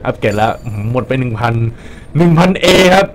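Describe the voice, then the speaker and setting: A young man giving casual, joking commentary over his gameplay, excitable and swearing at enemies. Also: medium pitch, fairly quick. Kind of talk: casual Let's Play commentary.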